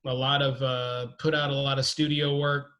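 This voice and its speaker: A man's voice: medium pitch, level tone, normal speed, pushed and bright, muffled recording. A man in his forties on a video call, talking loosely, joking and swearing freely. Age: 40s. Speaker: guest. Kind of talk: casual chat on a video call. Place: dim room indoors. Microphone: video call webcam.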